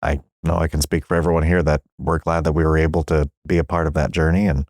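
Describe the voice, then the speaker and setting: A man's voice: very deep voice, flat delivery, quick pace, darkish tone, no echo, studio quality. A man interviewing a guest, polite and appreciative as he wraps up. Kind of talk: interview wrap-up.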